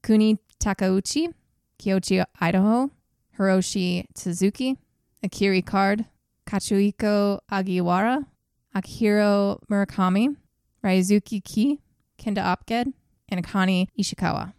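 A woman's voice: mid-range voice, unhurried, darkish tone, smooth, no room sound, clean studio sound. A woman co-hosting a podcast, telling a true crime case in a blunt, casual way with swearing. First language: English. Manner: blunt, swears, laughs at grim moments.

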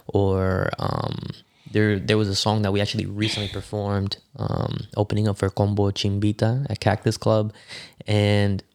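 Gravelly low-voiced man chatting. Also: moderate pace. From United States. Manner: relaxed storytelling, many fillers and restarts. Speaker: rapper and musician, guest. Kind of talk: casual interview chat.

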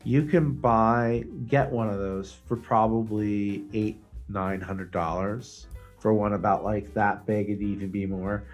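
Low-pitched man in casual conversation. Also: steady tone, measured pace, soft background music. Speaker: podcast co-host. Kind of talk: casual chat, anecdotes with swearing.

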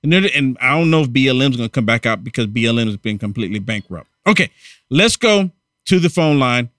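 A man's voice: mid-range voice, animated, fast talker, fairly bright tone, dry recording, studio quality. A man hosting a political talk show, ranting emphatically and taking calls. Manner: heated, emphatic, repeats himself. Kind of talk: political talk radio commentary.

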